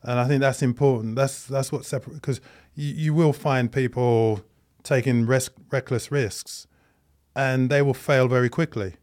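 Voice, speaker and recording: Measured, deliberate man as podcast guest. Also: mid-range voice, steady tone, darkish tone. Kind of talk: conversational interview.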